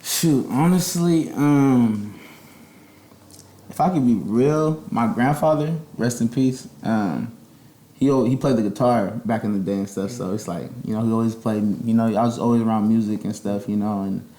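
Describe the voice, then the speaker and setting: A young man chats as a podcast guest, rambling loosely with plenty of slang and filler words. His voice is dark and mellow, and the room around him rings with echo. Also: medium pitch, moderate pace. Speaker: guest rapper. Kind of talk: casual podcast chat.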